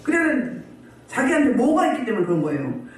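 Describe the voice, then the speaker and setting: A woman's voice: a little high, sing-song, brisk. A woman pastor preaching a sermon at a healing service. She scolds the congregation and keeps firing rhetorical questions at them. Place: church hall. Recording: very echoey hall, voice far from mic.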